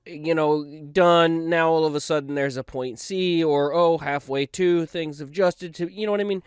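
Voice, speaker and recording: Wry man with a smooth, dry voice. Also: a little high, moderate pace, no room sound. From United States. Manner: wry, joking. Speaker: podcast co-host. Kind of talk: casual gaming chat.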